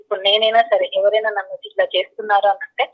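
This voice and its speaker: Woman on a tinny phone call, talks really fast, kinda insistent, repeats herself. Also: medium pitch, little pitch movement. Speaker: phone interviewee. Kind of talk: spontaneous phone interview answers. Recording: tinny telephone line.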